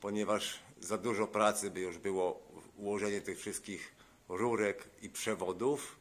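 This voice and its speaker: Brief: a lower-pitched man vlogging through a house, dryly exasperated about botched repairs, recorded on a handheld phone. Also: steady tone, measured pace. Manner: exasperated, sarcastic complaining. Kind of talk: narrated house walkthrough. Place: indoors, rooms of a house.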